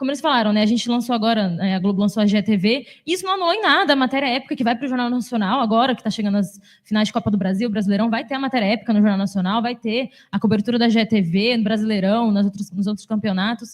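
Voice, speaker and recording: A woman's fairly high, somewhat breathy voice, very fast in pace, with ordinary pitch variation. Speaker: sports TV journalist. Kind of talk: panel talk.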